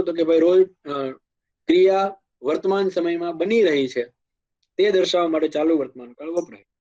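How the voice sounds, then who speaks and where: A man with a Kathiawadi Gujarati accent teaching an English grammar lecture, explaining slowly with spoken examples and asides. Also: a little high, mellow, highs cut off. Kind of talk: classroom lecture.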